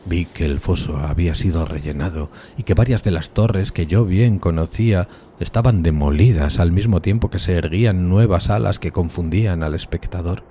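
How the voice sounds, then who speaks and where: A man's voice: sits low, normal speed, dark tone, slight background noise, lightly acted. A man playing a solitary, tormented outcast, narrating a gothic horror audio drama in a solemn, theatrical, literary manner. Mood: brooding.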